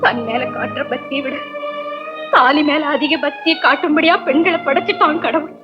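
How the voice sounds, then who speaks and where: An actress playing a tearful elder sister torn by a hidden secret, in a 1960s film. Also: female voice, high-pitched, moderate pace, close to an everyday voice. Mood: anguished. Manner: tearful, pleading. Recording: dull old film soundtrack with music.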